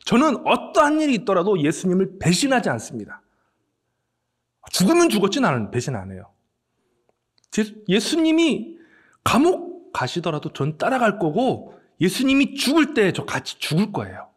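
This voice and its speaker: A man's voice: high-pitched, huge pitch swings, normal speed, husky, voice pushed up, exaggerated voice. A man voicing a boastful male disciple who insists he will never betray his teacher, in an earnest, pleading way. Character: boastful loyal male disciple vowing devotion.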